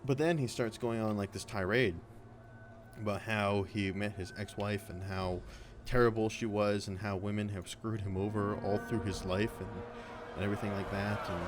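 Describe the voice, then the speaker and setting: Male let's play host, young adult, low-pitched, chatty anecdotal delivery, home mic with clear background noise. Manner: rambling, conversational, quotes others. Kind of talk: casual anecdote storytelling.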